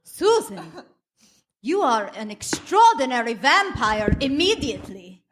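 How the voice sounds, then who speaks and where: A woman's voice: sits high, big pitch swings, unhurried, fairly bright tone, exaggerated voice. A woman voicing a haughty, indignant vampire customer in a comic radio play on stage. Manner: indignant, melodramatic. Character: haughty, outraged vampire customer at a drive-through. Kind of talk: comic radio play before a live audience. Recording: noisy live theater stage recording.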